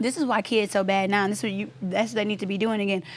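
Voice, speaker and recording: A woman with a Louisiana accent speaks at a fairly high pitch over noticeable background noise. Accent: Southern US (Louisiana). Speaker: podcaster. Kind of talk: casual chat. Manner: fast, tripping over words.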